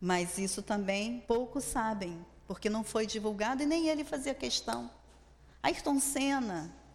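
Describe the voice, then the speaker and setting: In a high pitch with lively intonation, a woman talks at a fairly slow pace. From Piauí backlands, northeastern Brazil. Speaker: spiritist lecturer. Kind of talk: sermon.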